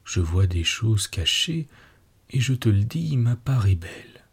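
A man's voice: fairly low pitch, sing-song, unhurried, exaggerated voice. Man whispering as a tender forgiving woman. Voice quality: hushed, breathy whisper. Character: tender forgiving woman, devoted, soft-spoken.

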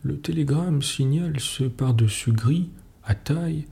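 A man reading the part of a shrewd male police commissioner who talks in a measured, knowing way. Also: on the high side, vocal fry, warm tone, pitched above the performer's own voice.

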